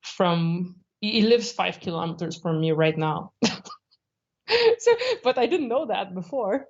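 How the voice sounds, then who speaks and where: A young woman from Canada, chatting as a guest in a remote interview. She is animated, laughs often and acts out what people said. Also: fairly low pitch, unhurried, dull audio. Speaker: guest, traveling jiu-jitsu instructor.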